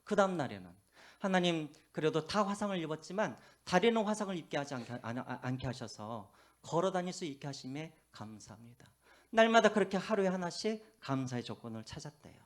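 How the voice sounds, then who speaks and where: Animated male pastor preaching. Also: on the high side, fairly quick. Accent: faint Jeolla. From Korea, Gwangju. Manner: animated storytelling, drops to hushed asides. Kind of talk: sermon. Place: church.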